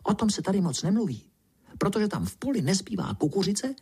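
A man's voice: sits high, very animated, breathy edge, pitched above the performer's own voice, full character voice. A man voicing a whispery gossiping tree frog. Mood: secretive. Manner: hushed, breathless whispering.

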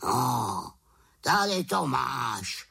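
A woman's voice: a bass voice, sing-song, creaky, sharp tone, slightly rough, exaggerated voice. A woman voicing a stern, scolding male raven in a storybook reading, with clipped warnings. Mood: grumbling. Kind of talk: storybook character voice.

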